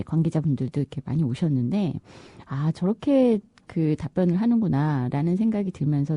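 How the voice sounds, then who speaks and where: Female activist guest, candid, low mellow voice, dry close recording. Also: no room sound, dull audio. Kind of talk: interview answers.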